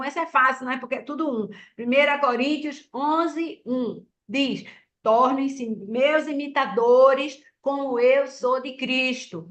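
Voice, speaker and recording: Woman preaching a conversational sermon, fairly high. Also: fairly bright tone. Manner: conversational, teaching, frequent "né?" tag questions.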